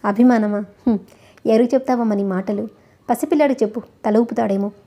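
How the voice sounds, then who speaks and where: A woman's voice: a little high, steady tone, brisk, warm tone. A woman reading the lines of an angry young male doctor who defies his mother, with bitter, scornful retorts.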